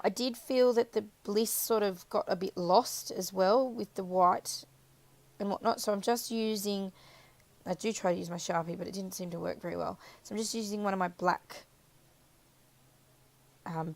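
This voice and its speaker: A woman with a croaky, scratchy voice chatting casually through a crafting voiceover, rambling and correcting herself as she goes. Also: medium pitch. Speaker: craft video maker. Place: voiceover recorded apart from the footage.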